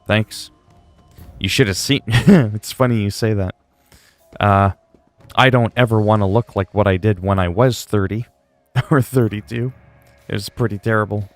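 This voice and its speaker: Chatty low-voiced man in his forties. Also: unhurried, no room sound, faint music behind. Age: 40s. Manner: rambling, chatty, reads chat aloud and answers. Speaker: livestreamer. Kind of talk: casual livestream chat.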